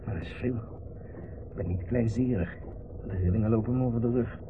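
A man's voice: mid-range voice, a little fast, close to an everyday voice. Gloomy, sardonic boss and husband played by a man for radio drama, irritable delivery, narrow muffled sound with heavy hiss. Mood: irritated. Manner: grumbling, curt, sardonic. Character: irritable, gloomy company director, husband driving. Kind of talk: Dutch radio play acting. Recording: muffled, noisy old radio play recording.

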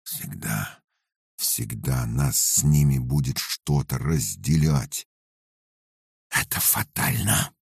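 A man voicing the quiet inner thoughts of a detached, brooding young man. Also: a bass voice, expressive, slow pace, creaky, husky, no echo, studio quality, exaggerated voice. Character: numb, brooding young man thinking inwardly.

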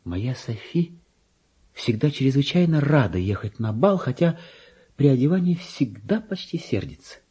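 A man's voice: medium pitch, big pitch swings, a little slow, dark tone, husky. A man voicing a chatty, naive, pampered female lapdog reading out her gossipy letters in a theatrical radio play. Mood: confiding, fussy. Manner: prim, gossipy, singsong.

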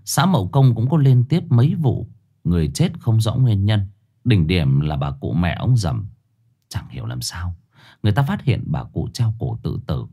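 A man narrating a ghost story in a dramatic manner, slowing down for suspense. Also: lowish voice, very animated, dark tone, slightly rough.

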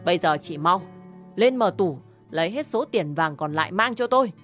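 A woman voicing a furious older mother-in-law who wails and shouts as she scolds. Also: on the low side, expressive, moderate pace, soft background music, close to an everyday voice. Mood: scolding.

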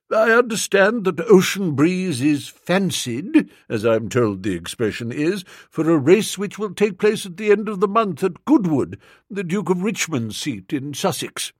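A man's voice: on the high side, breathy edge, no room sound, studio quality, heavily acted. A man doing a pompous old stout lord. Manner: stiff, formal, long-winded. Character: pompous elderly newly made lord, stout.

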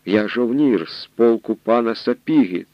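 A man's voice: mid-range voice, lively intonation, moderate pace, no room sound, lo-fi sound, natural voice. A man voicing a frightened young male soldier who pleads and stammers out bad news, in an audiobook reading. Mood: pleading.

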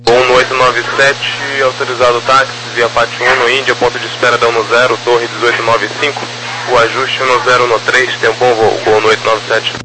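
A man working as an air traffic controller, reading out procedural clearances over aviation radio. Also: medium pitch, level tone, brisk. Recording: noisy aviation radio transmission.

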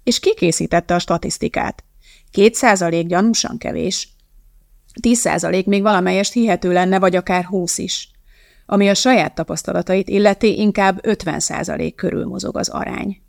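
Gravelly woman narrating an audiobook. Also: mid-range voice, steady tone, no echo, clean studio sound. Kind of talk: scripted narration.

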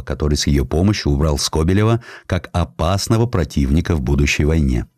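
A man's voice: deep voice, darkish tone, dry recording, studio quality. A man narrating historical prose as an audiobook reader, in a dramatic scripted style.

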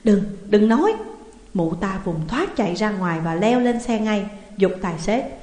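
A woman narrating a ghost story in a steady, dramatic storytelling voice. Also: medium pitch, moderate pace. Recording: echoey room with long reverb.

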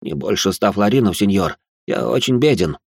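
A man's voice: fairly low pitch, lively intonation, normal speed, vocal fry, darkish tone, slightly rough, dry recording, clean studio sound, heavily acted. A man voicing a frightened, pleading older male jeweler who begs and wails. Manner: begging, wailing.

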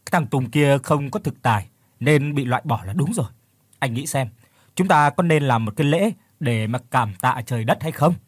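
A man doing a fawning, flattering coworker. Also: medium pitch, normal speed, slightly rough, no room sound, studio quality. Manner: flattering, eager.

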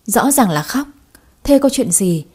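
A woman's voice: fairly high pitch, animated, measured pace, husky. A woman voicing a blunt, teasing young male friend. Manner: loud, blunt, familiar.

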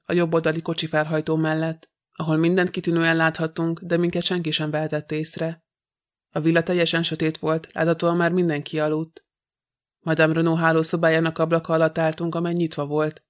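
Male audiobook narrator, slightly high voice, extremely flat intonation, steady scripted reading.

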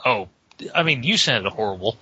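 A male podcast co-host making deadpan jokes in a casual chat. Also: mid-range voice, normal speed, breathy edge, no room sound, dull audio.

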